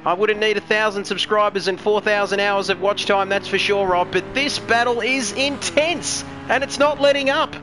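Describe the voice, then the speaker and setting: A chatty man calls a racing live stream, cracking jokes and reading out viewer comments. His voice sits high for a man. A steady noisy hiss runs under the recording. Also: moderate pace, hardly any pauses. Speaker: race commentator.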